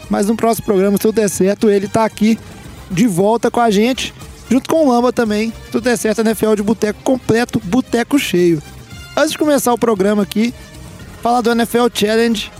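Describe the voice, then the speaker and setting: A man's voice: high voice, darkish tone. A man with a Brazilian accent hosting a sports podcast, upbeat and teasing with his co-hosts. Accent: Brazilian Portuguese. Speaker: podcast host. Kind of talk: casual sports podcast chat.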